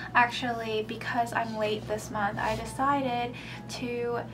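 Amid noticeable background noise, a woman speaks at a very slow pace. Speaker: artist and bullet journal creator. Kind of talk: video intro to camera. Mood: cheerful, friendly. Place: home room.

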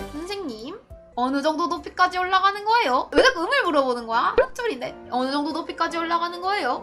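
Over music in the background, a woman uses a raised, projected voice at an extremely high pitch, with very wide pitch swings and a very fast pace. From Gyeongsang region, South Korea. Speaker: virtual streamer. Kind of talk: casual livestream talk.

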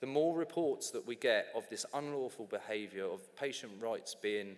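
In a British accent, a man speaks at a fairly slow pace. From UK. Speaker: cannabis business owner; panelist. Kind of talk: conference panel discussion. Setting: stage with audience. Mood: earnest, indignant. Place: hall. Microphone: podium.

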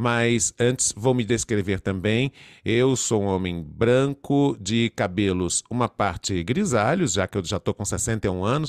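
In a very clean recording with a silent background, a man speaks with a Brazilian accent. His pitch is medium with ordinary variation, at a moderate pace. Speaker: journalist and radio broadcaster. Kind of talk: interview.

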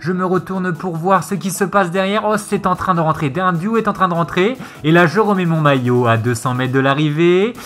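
Music plays in the background as a high-pitched man speaks. His pace is moderate, with ordinary pitch variation. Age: 20s. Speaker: amateur cyclist and coach. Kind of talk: race commentary and debrief.

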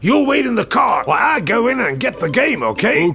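A man talks at a fairly quick clip in a put-on character voice pitched extremely high. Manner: exasperated, fussy.

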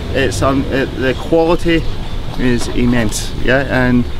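The sound is dry, with no echo, and has noticeable background noise. A man speaks with ordinary pitch variation. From Scotland. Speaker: executive chef. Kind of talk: casual talk to camera. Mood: enthusiastic. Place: market. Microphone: camera far.

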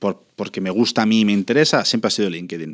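Fairly low male speech on a very clean recording over a silent background. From Spain, Barcelona. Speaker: marketing manager and networking event co-founder. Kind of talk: interview. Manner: animated.

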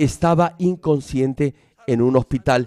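At a fairly slow pace, a man speaks at medium pitch in an unremarkable speaking voice, the sound dry and close with no echo. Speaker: pastor. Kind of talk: sermon.

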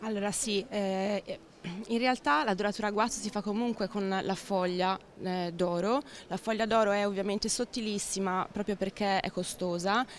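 A woman's medium-pitched voice at a moderate pace, fairly even in intonation, dry with no echo and light background noise. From Lombardy, Pavia; Lombardy. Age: young. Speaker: art restorer and painter. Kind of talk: interview. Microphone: handheld.

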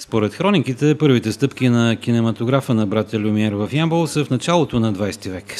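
A man's fairly quick speech at medium pitch, with ordinary pitch variation and noticeable background noise. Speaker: news reporter. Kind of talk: news reading.

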